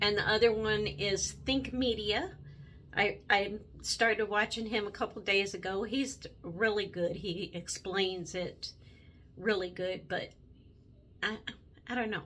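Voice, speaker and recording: A woman with a bright, sharp tone speaks at a fairly slow pace with fairly even intonation and long, frequent pauses. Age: 60s. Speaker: grandmother. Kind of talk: casual talk to camera. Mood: friendly, slightly unsure. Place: home room. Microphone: phone near.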